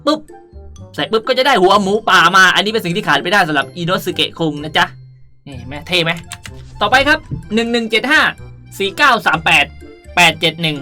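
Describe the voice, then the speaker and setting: A young man hosting a casual gameplay tutorial in a playful, animated way with cutesy polite sentence endings. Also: high-pitched. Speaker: gaming video host. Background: background music.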